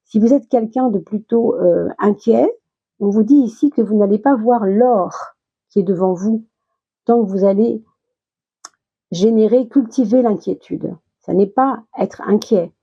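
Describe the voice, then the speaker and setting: A woman giving a casual tarot reading to her viewers, chatty and reassuring with many little restarts, her words a bit slow while she gets over a minor illness. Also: medium pitch, vocal fry, slightly rough, dull audio. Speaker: tarot reader.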